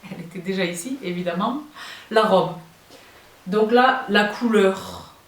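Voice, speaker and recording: A chatty young Frenchwoman talks her viewers through a clothing haul, her voice moving from excited peaks to low asides. Her voice sits in a middle range and sounds a little distant from the mic. The room around her adds a clear echo. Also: a little slow. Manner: chatty and expressive, addresses viewers as girls. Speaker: fashion vlogger. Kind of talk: casual haul chat to viewers. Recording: roomy, a bit far from the mic.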